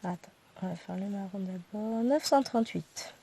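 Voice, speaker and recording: A woman with a stuffy nose, casually counting her thread skeins aloud in slow, quiet numbers and chatting in asides. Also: mid-range voice, creaky, husky. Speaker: cross-stitch YouTuber.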